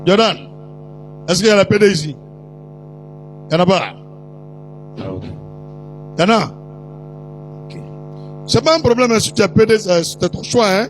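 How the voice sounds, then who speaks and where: A male preacher telling a story in a sermon to his congregation, teasing the crowd and slipping into put-on voices and shouts. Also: high-pitched, big pitch swings, moderate pace, pauses often, faint music behind.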